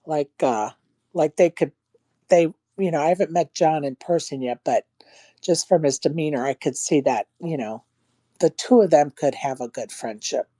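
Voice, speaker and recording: A woman's voice: deep voice, moderate pace, mellow, no room sound. A woman chatting casually and loosely, with conversational filler phrases. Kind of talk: casual chat in a live online audio room.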